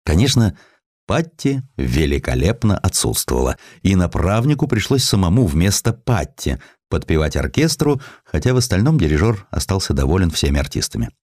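A man narrating a scripted literary story as an audiobook reader, in an expressive storytelling style. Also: low-pitched, normal speed, dry recording.

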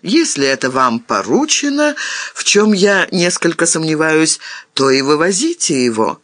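A man's voice: a little high, fairly bright tone, no room sound, studio quality. A man reading the lines of a cold, suspicious male ambassador, curt and formal in manner. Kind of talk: audiobook character reading.

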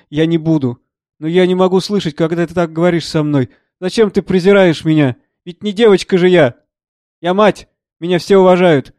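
A man's voice: high-pitched, a little mellow, no echo, studio quality, natural voice. A man voicing a distraught middle-aged woman, a professor's wife, tearful and pleading with her lover.

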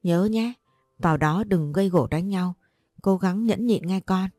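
A woman's voice: on the low side, measured pace, warm tone, no echo, studio quality, faint music behind. A woman voicing a grieving grandmother near sixty, pleading and tearful.

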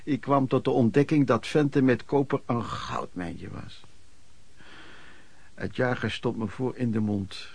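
An actor playing a hardworking itinerant peddler, looking back on his life in colloquial, reflective radio drama narration with a husky voice. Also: medium pitch, unhurried, no room sound. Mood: proud, content.

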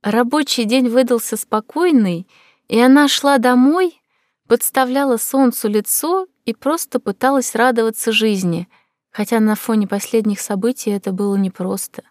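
A woman narrating an audiobook in a measured, expressive reading. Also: on the high side, no room sound. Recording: dry close recording.

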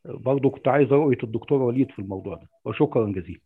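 A man's voice: mid-range voice, very fast, slightly rough. A man with an Egyptian accent calling in with hesitant, filler-heavy questions over a phone-like line. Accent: Egyptian Arabic. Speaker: caller. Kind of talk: call-in question. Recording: tinny phone-like call line.

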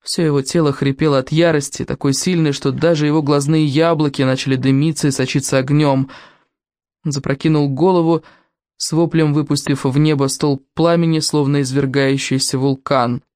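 A woman narrating a fantasy audiobook in an expressive, measured reading. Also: sits low, no echo, clean studio sound. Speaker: audiobook reader. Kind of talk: scripted storybook narration.

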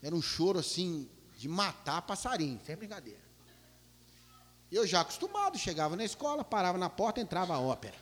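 Animated male pastor in echoing hall. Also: fairly quick. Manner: animated, swings from loud bursts to hushed low tones. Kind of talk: storytelling sermon. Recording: long hall reverb.

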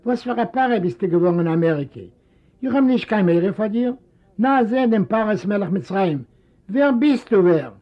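A man voicing a stubborn, proud old immigrant father who shouts his refusals indignantly, a native Yiddish speaker. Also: sits high, animated, moderate pace, pitched above the performer's own voice. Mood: scornful. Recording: dull lo-fi recording.

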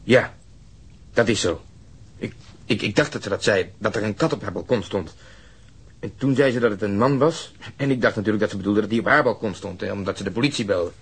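An actor playing a gruff, irritable, dismissive police detective in a radio drama, blunt and defensive. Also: male voice, on the low side, fairly quick. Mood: grudging. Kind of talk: naturalistic Dutch radio drama acting.

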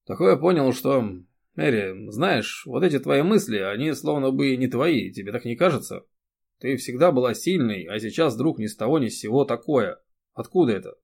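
A man's voice: mid-range voice, expressive, moderate pace, creaky, a little mellow, husky. A male reader voicing a blunt, protective young man who talks firmly and soothingly. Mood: earnest. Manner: firm, reassuring, sometimes barking. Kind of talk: audiobook character reading.

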